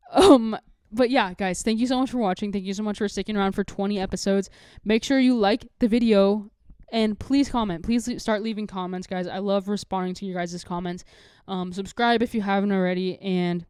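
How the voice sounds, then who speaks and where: A woman's voice: medium pitch, a little mellow, clear, resonant tone, dry recording, clean studio sound. A nineteen-year-old woman hosting a podcast, talking casually and candidly to her viewers in a rambling way peppered with "like". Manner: rambling, heavy use of "like", candid. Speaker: podcast host. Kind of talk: casual confessional solo talk to viewers.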